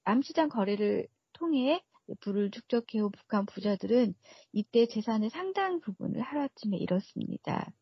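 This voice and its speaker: A woman gives formal, prepared expert commentary on the radio. Her voice is fairly high yet creaky and husky. The recording is slightly muffled. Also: expressive, normal speed, no echo. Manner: formal, explanatory. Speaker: research fellow, expert guest.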